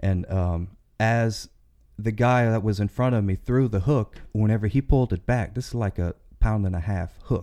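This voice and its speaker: On a very clean recording with a silent background, a man speaks in a fairly low, dark and mellow tone with ordinary pitch variation at a moderate pace. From South Louisiana (Acadiana). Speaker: media professional. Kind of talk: casual chat. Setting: studio.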